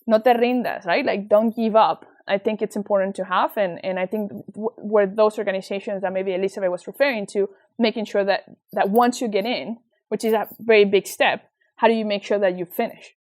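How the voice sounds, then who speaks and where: A young woman from Venezuela with a Venezuelan Spanish accent, talking as an interview guest with earnest, animated storytelling. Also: mid-range voice, fairly quick. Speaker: guest, nonprofit founder. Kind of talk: casual interview chat.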